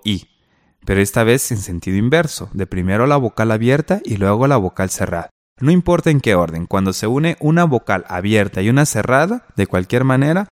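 A man teaches a scripted radio class, reading out exercises with a lively, varied pitch. His voice is close and dry, with no room sound. He speaks clearly and explains each step. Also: dry recording.

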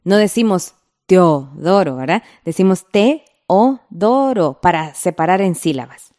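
A woman teaching a radio class, reading a scripted lesson in a slow, patient way and drawing out the example words. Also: on the low side, animated, darkish tone.

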